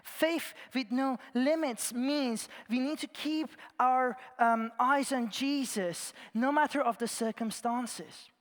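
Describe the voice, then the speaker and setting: A man from Iran, preaching a sermon in an earnest storytelling way, his phrases often trailing off softly at the ends. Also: very high voice, slow, hardly any pauses. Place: large church. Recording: long church reverb.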